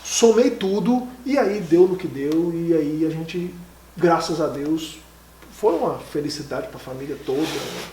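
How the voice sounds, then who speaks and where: A man being interviewed, telling a personal story in a casual, lively and emotional way, with many fillers. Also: a little high, a little slow, slight background noise. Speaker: interview guest, exam candidate. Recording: echoey room, mic from a distance.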